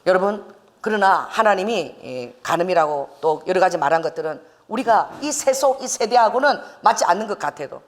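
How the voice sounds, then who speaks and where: Preaching with lively energy, this middle-aged woman pastor mimics the voices of those she quotes and laughs as she goes. She speaks in a brisk, mid-range voice.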